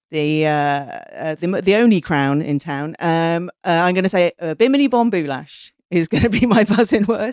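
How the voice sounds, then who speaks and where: In a dry, close sound with no echo, a woman with an English accent talks at a moderate pace with hardly any pauses, her fairly low pitch carried by lively intonation. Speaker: comedian. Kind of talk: casual comedic chat. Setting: video call.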